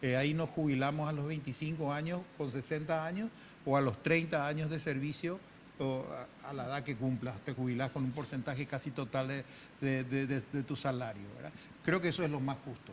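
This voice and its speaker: This man's voice is fairly high-pitched and somewhat breathy. He talks at a fairly quick pace with ordinary pitch variation. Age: 60s. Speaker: government minister. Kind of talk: political interview. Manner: halting, repeats words.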